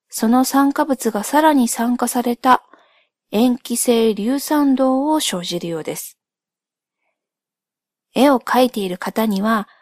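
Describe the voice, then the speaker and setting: A woman speaking softly in a gentle, polite and measured way, as in a calm ASMR-like explanatory monologue by a solo host. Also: a little high, no echo, studio quality. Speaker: host of a solo spoken channel.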